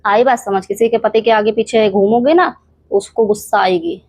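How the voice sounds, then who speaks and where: A woman's voice: mid-range voice, fairly even intonation, moderate pace, darkish tone, dry recording. A young woman vlogging, scolding an absent rival straight to camera with rhetorical questions and repeated challenges. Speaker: reaction channel creator. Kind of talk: heated reaction monologue to camera.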